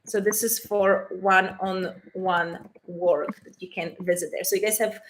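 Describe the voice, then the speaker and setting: A woman from Poland with a Polish accent, hosting a live stream as an intimacy coach and answering chat questions warmly and with frequent laughter. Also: mid-range voice, fairly even intonation, measured pace, slight background noise. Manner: warm and affectionate, calls viewers "my loves", laughs often.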